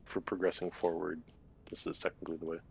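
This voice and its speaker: A man with a low, creaky voice talks casually as a tabletop game player. Some noise and typing sit behind him. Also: completely flat delivery, quick pace.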